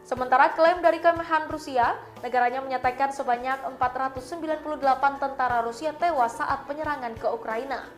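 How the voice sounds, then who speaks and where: Casting: Indonesian woman, high voice, for scripted news narration over light background music. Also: fairly even intonation, fairly quick. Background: faint background music.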